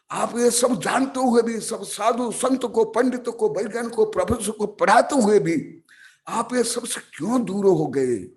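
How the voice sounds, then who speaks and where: A man delivers a slow, deliberate sermon and lectures his listeners with emphatic scolding. His voice sits high and swings widely in pitch, rising sharply on stressed words. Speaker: Jain monk giving a scripture lecture.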